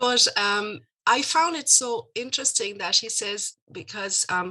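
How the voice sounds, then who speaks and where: At a fairly slow pace, a woman with a German accent speaks in a fairly high voice with a bright, sharp tone and lively intonation. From Germany. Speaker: book club participant. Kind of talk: casual discussion. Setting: video call. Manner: halting.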